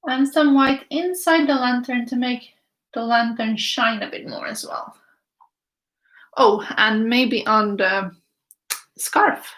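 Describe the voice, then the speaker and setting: Female art tutor, slightly high pitch, very unhurried delivery, casual thinking-aloud live class style. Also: a bit bright, low-quality recording. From Finland. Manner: unhurried, thinking aloud in short phrases while painting. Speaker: art teacher. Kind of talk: casual live painting tutorial with viewer chat.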